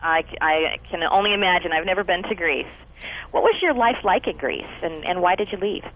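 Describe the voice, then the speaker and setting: A woman's voice: lowish voice, lively intonation, fairly quick, a little hiss or hum. A woman hosting an interview, asking questions in an upbeat, chatty and encouraging way. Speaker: interview host. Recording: tinny phone-like audio.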